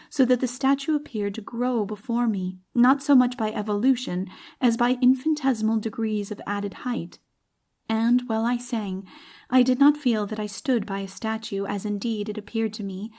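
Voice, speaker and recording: A woman's voice: medium pitch, mellow. Woman giving a dramatic audiobook reading. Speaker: audiobook narrator. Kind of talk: dramatic literary audiobook narration.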